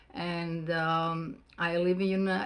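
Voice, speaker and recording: A woman with a Serbian accent speaks at a fairly low pitch. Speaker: spiritual channel host. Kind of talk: casual channel announcement. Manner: halting.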